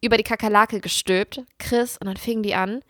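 A woman telling a story in casual chat, animated and dramatic, jumping up into squeals when she relives the fright. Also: mid-range voice, moderate pace, no echo, clean studio sound.

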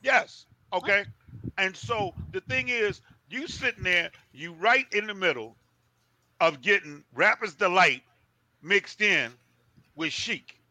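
Brief: high, very bright-voiced man, an emphatic storyteller, recorded dry. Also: animated, takes it slowly, dry recording. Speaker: guest, former DJ. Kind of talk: casual chat.

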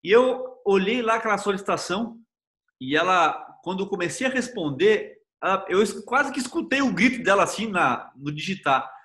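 Brazilian man, Bahian accent, devotional pastor, high tenor, clear ringing tone. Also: animated, moderate pace, a bit bright. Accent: Bahian Portuguese. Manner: storytelling, earnest, personal anecdotes. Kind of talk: devotional sermon.

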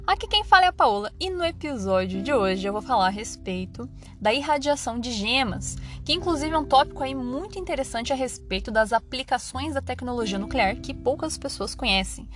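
A woman's voice: high voice, expressive, a little fast. Chatty woman with a Paraná accent. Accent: Paraná Brazilian Portuguese. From southern Brazil. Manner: chatty, laughs often, exclaims. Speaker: podcast host. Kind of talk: casual podcast monologue.

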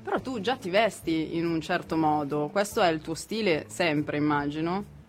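A woman's voice: low-pitched, normal speed. A woman co-hosting a casual radio interview and putting questions to a guest. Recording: loud music behind the voice. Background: loud music.

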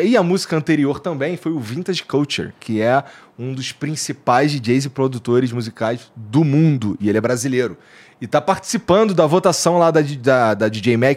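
A Brazilian man hosting a casual podcast, chatty and upbeat as he reads sponsor plugs. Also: a little high. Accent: Brazilian Portuguese. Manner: chatty, upbeat, filler-heavy. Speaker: podcast host.

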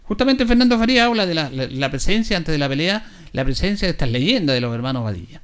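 A man's voice: a little high, sing-song, quick pace, over a noisy crowd. A man with a Chilean Spanish accent hosting a casual sports talk show, emphatic and repeating key phrases.

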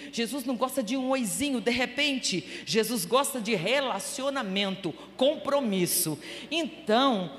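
A woman missionary with a Brazilian accent preaching a sermon fervently, her voice swelling to loud exclamations. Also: on the high side. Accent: Brazilian Portuguese. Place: church hall. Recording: echoey church hall.

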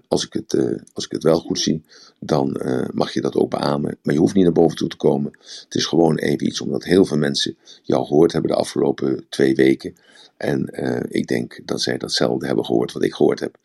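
Super deep husky guy rambling on about communication, lots of repeats. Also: darkish tone. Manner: explanatory, rambling, repeats words. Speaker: speaker on communication. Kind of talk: live audio room talk.

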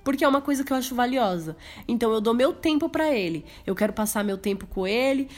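A woman's voice: on the high side, animated, quick pace, faint music behind. A Brazilian woman co-hosting a casual podcast, talking through a stuffy nose from a cold and explaining her point with everyday examples. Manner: chatty, explains with examples, laughs easily. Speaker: podcast co-host. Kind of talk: casual chat.

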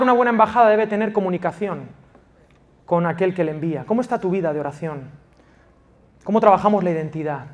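With a high voice, the man from Spain leads his Valencia church in an impassioned sermon as its pastor. His delivery moves from forceful loudness to hushed, intimate moments.

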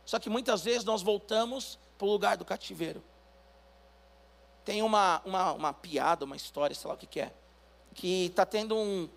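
A man with a Brazilian Portuguese accent preaching a sermon as pastor, building to loud emphatic calls for the congregation to respond. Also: sits high.

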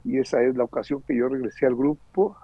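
A man's voice: medium pitch, fairly even intonation, fairly quick, no echo. A middle-aged man with a Mexican accent, giving an earnest, emotional personal testimony in conversation. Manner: earnest, emotional storyteller who acts out the voices in his story. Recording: dull lo-fi recording.

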